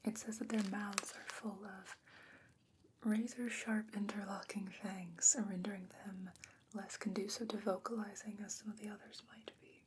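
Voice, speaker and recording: A woman playing a patient, bookish sorceress in a fantasy ASMR roleplay, whispering breathily and explaining in a measured, gently skeptical way. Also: medium pitch, little pitch movement, slight background noise, lightly acted, poor audio. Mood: studious.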